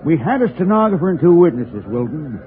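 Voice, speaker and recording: An actor playing a tough middle-aged police chief in a 1940s radio drama, blunt and matter-of-fact. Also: male voice, fairly high pitch, sing-song, brisk. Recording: tinny old radio broadcast.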